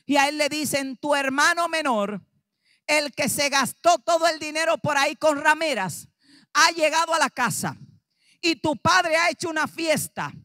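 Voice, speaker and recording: A woman pastor with a Dominican Spanish accent preaching an animated sermon, acting out dialogue and rising to shouts. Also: high voice, normal speed, dry recording, clean studio sound. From Dominican Republic.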